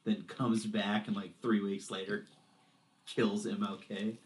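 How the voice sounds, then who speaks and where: A man co-hosting a podcast in casual chat, animated, swearing and laughing often. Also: on the low side, a little slow. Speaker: podcast co-host.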